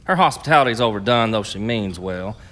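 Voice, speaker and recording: An actor playing a surly, protective frontier brother in a radio drama, blunt and stern. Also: male voice, fairly low pitch, lively intonation, fairly quick, a bit bright. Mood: disapproving. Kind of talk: stage-like radio drama acting.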